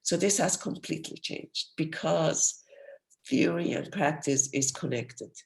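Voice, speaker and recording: A woman professor giving an academic research lecture over a video call in an explanatory, steady way, losing her voice and coughing now and then. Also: deep voice, a little slow, creaky. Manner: explanatory, steady, apologetic when interrupted.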